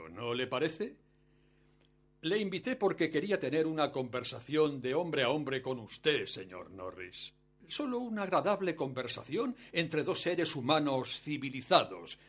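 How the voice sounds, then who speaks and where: Wealthy villainous husband, radio play, husky, expressive intonation, smug, mock-polite, quietly menacing. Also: male voice, fairly high pitch, exaggerated voice. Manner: suave, mock-courteous, deliberate hesitations. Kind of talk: Spanish-language radio play acting.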